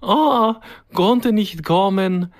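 A man voicing a lazy, excuse-making male handyman with a put-on Czech-Silesian accent, talking slow and drawn-out. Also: high-pitched, pitched above the performer's own voice. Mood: whiny excuses.

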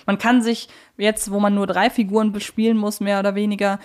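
A woman's voice: mid-range voice, level tone, brisk, a little mellow. A woman co-hosting a podcast in a casual, conversational discussion. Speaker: podcast co-host.

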